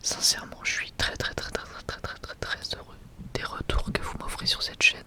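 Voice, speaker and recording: Whispering young man, ASMR. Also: moderate pace. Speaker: ASMR video creator presenting a manga collection.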